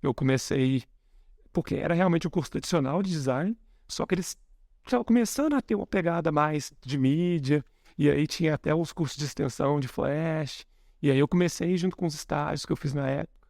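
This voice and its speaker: A man around forty from Belo Horizonte, speaking as a guest in a casual podcast conversation, relaxed and thoughtful, often correcting himself mid-sentence. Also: fairly high pitch, brisk, creaky, dry recording, studio quality. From Brazil, Belo Horizonte. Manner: relaxed, thoughtful, frequent self-corrections, chuckles softly. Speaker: guest, software engineer.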